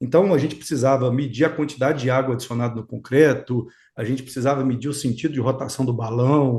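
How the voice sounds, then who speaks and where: A man speaks at a very fast pace in a medium pitch. His voice is somewhat breathy, with ordinary pitch variation. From Minas Gerais, Brazil. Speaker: company co-founder, telemetry engineer. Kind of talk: live-stream interview, technical chat. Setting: live stream. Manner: halting, frequent repetitions and fillers.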